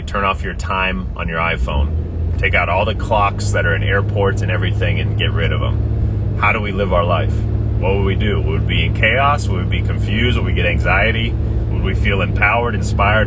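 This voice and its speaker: A man's voice: low voice, noisy background. A man giving an unscripted motivational talk to a live audience, musing through rhetorical questions and repeating phrases for emphasis. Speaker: livestream host.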